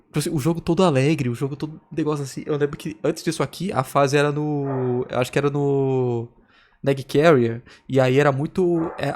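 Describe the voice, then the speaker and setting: A man's voice: a little high, a little mellow. A Brazilian man reacting casually, telling stories in a rambling, slangy way. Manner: slangy, rambling, repetitive storytelling. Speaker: reaction video host.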